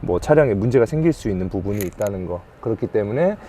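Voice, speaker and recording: A man's voice: fairly low pitch, animated, quick pace, mellow. A man, explaining things to viewers as a used car dealer in polite, formal salesman patter. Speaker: used car dealer presenting a truck-buying guide. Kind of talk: informal explainer presentation to viewers. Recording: faint background noise.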